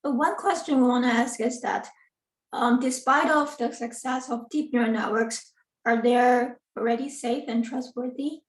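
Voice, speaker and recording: A woman's voice: on the high side, steady tone, normal speed. A woman in her thirties from Taiwan, giving an academic talk on a video call, earnest and full of ums and self-corrections. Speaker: guest lecturer, assistant professor. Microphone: video call computer mic. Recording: roomy, distant from the mic.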